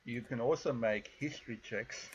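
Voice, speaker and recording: A man with a South African accent narrating a tabletop game as game master in a relaxed, loose way with many fillers. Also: medium pitch, moderate pace, highs cut off, slight background noise.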